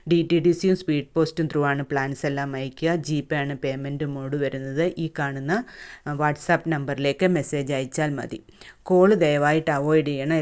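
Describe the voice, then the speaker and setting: A woman hosts a casual vlog about selling her plants. Her voice sits low, and she talks in a plain, chatty way with many fillers. She often stops and restarts as she shows each plant. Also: a little mellow. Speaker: home plant seller.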